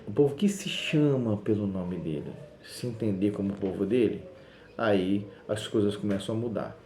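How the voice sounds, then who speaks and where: A man preaches with insistent emphasis and repeats his key phrases. His voice sits low and mellow. The room around him rings with echo, and faint noise sits underneath. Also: moderate pace. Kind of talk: sermon video.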